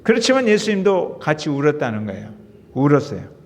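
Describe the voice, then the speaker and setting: A man's voice: a little high, very animated, fairly quick. A middle-aged man, a pastor, preaching a sermon in an emotive, conversational way to his congregation. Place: church sanctuary. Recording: reverberant church hall.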